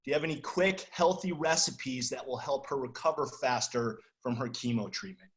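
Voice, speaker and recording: A man hosting a video-call Q&A, reading out viewer questions in a brisk, polite manner. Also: mid-range voice.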